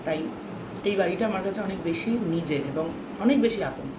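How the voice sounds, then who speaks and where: A woman's voice: mid-range voice, animated, moderate pace. Casting: woman, mukbang vlogger talking through mouthfuls, confiding and rambling, in an echoey, noisy room. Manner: talks while eating, mouth often full. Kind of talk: casual mukbang chat. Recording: roomy echo, clearly noisy background.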